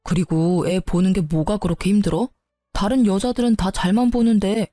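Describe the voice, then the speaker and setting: A woman's voice: mid-range voice, fairly even intonation, normal speed, warm tone, no echo, soft background music, close to an everyday voice. A woman voicing a resentful young husband who argues back with sneering, defensive retorts in a storybook narration. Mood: indignant. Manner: argumentative, sneering.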